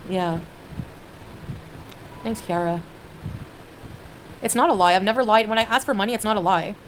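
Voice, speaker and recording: A woman's voice: mid-range voice, normal speed, a little hiss or hum, low-quality recording. A woman from Canada chatting on a livestream, hesitant and rambling, with lots of fillers as she reads viewers' comments. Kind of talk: casual livestream chat.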